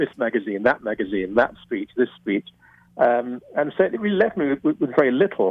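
A man's medium-pitched voice with an English accent, very wide pitch swings, and a moderate pace. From England. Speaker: clergyman and author. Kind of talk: interview. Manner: halting, repeated words.

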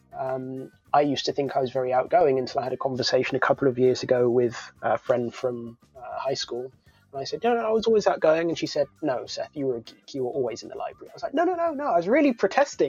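A man races along at a very fast pace amid noticeable background noise. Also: big swings in loudness. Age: 30s. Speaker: entrepreneur and consultant. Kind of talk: interview. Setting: remote call.

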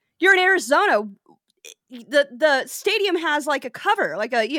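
A woman with an American accent uses a raised, projected voice at a high pitch, with a bright, sharp tone, lively intonation and a fairly quick pace, in a dry, close sound with no echo. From US South. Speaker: sports podcast co-host. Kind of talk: casual chat.

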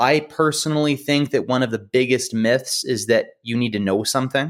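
A man speaks at a medium pitch in a plain, everyday voice, with ordinary pitch variation. The recording is very clean, with a silent background. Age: 30s. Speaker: entrepreneur and growth manager. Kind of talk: casual interview.

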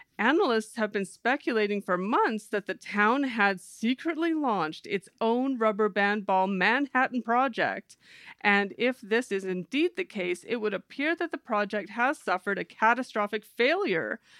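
Recorded dry and close with no echo, a woman with a plain, everyday voice and a fairly high pitch speaks at a moderate pace, with lively intonation and hardly any pauses. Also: quiet background. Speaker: comedy podcast co-host. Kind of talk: comedic banter. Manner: cheerful, upbeat.

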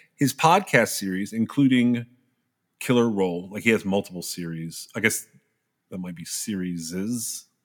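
A man talks in a normal speaking voice, fairly low in pitch, with lively intonation. The recording is very clean, with a silent background. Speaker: true crime podcast host. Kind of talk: casual chat, storytelling. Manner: casual, filler-heavy, conversational.

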